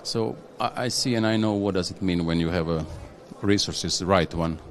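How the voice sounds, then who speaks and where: Deep-voiced male executive. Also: a little hiss or hum. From Croatia. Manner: halting, restarts phrases, tags with "yeah?". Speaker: industry executive guest. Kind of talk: conversational interview.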